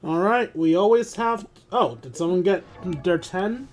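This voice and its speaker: High-pitched man streaming a video game. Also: lively intonation, measured pace, a little mellow. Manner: informal, swearing, grumbling. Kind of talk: casual livestream gameplay commentary. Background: music.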